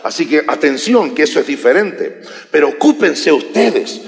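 A man preaching a sermon, animated and joking with his congregation. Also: fairly high pitch, normal speed, vocal fry, soft background music. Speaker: pastor. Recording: echoey hall reverb.

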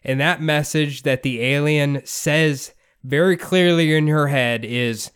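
Smooth-voiced laid-back male podcast host. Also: a little high, slow, fairly bright tone. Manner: laid-back, laughs often, swears casually. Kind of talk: casual storytelling chat.

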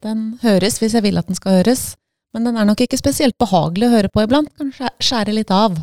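A woman's voice: on the high side, darkish tone, no echo. Candid woman guest, dry close sound. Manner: candid, self-deprecating. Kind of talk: casual chat.

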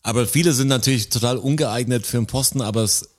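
A man co-hosting a podcast, chatting casually, rambling and joking, often trailing off into quieter asides. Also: medium pitch, fast talker. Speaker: podcast co-host. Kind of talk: casual chat.

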